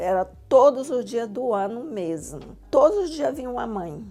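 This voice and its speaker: A woman speaks at a fairly slow pace in a fairly high pitch, and her pitch swings very widely. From Tocantins, Brazil. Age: 60s. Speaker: mother of the channel owner. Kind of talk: documentary interview. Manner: animated.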